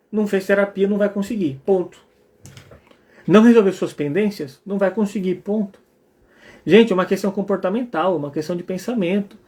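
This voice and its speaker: Emphatic high-voiced Brazilian man. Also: darkish tone. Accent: Brazilian Portuguese. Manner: emphatic, repeats checks like "tá?" and blunt "ponto". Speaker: psychologist and couples therapist. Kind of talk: live talk to parents.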